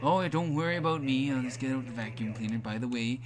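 A man's voice: mid-range voice, fast talker, lightly acted. A man voicing a chatty, unbothered janitor who mutters mildly in a joking game commentary. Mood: nonchalant. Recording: clearly noisy home recording.

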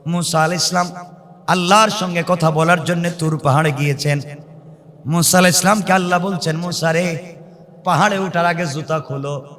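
A man delivers a waz sermon in a high voice, fervent and dramatic. He swings between quiet pleading and soaring chanted cries, and slips into sung recitation. The sound carries a long, echoing reverb, as from a big hall or a PA at a large gathering. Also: steady tone, moderate pace. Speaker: preacher.

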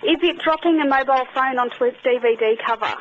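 A woman's voice: high voice, quick pace. A woman with a bubbly manner, chatting casually as a radio contest caller over a phone. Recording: dull phone line, faint noise.

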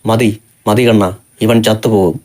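A man reads out a frightened young woman in a storybook romance. Her words tremble, carried in his low, level voice. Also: steady tone, unhurried, darkish tone, lightly acted. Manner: trembling, pleading.

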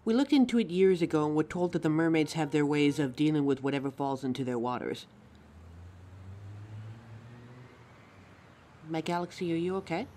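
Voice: medium pitch, quick pace, dark tone, slight background noise, close to an everyday voice. A performer playing a caring, anxious young werewolf partner in a roleplay audio drama, tender and fussing, stammering when flustered. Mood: warm, explaining.

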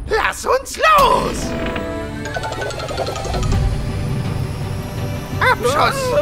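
A performer voicing a mischievous, gleeful bandit in a German children's cartoon, taunting and theatrical, over loud music. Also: very high voice, heavily acted. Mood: defiant.

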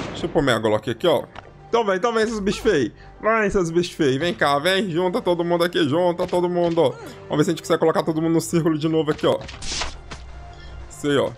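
A man with a Brazilian Portuguese accent giving casual gameplay commentary, chatty and excitable, repeating words in quick bursts. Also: a little high. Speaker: gaming channel host. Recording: voice over game music and gunfire.

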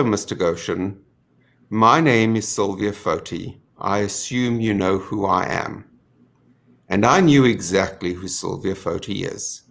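A middle-aged man on a video call from a home study, giving a measured, earnest account with frequent ums. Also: lowish voice, fairly bright tone. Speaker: panelist. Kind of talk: online panel discussion.

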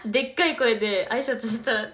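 A young woman on a casual late-night idol livestream, speaking politely to her senior and telling stories with soft laughs. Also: fairly high pitch, brisk, a little hiss or hum. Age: young adult.

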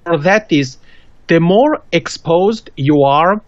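Speaking slowly and expressively in a fairly high voice, this Swiss podcast guest in his thirties offers earnest advice over a video call in accented, non-native English. There's no room sound. He uses a studio mic with a pop filter in a small indoor space, and the audio comes across dull and dry.

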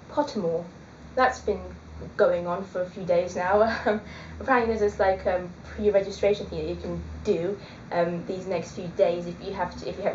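A woman's voice: on the low side, darkish tone, a little hiss or hum. Young woman rambling into a webcam. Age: 20s. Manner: rambling, hesitant with many ums. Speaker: vlogger. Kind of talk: casual chat. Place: small indoor room. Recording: echoey room, dull lo-fi webcam audio.

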